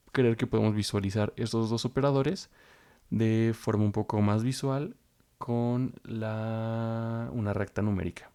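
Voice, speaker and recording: A man's voice: fairly low pitch, mellow. A man teaching programming, walking through code step by step and thinking aloud as he goes. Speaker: programming instructor. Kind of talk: screen-recorded coding tutorial.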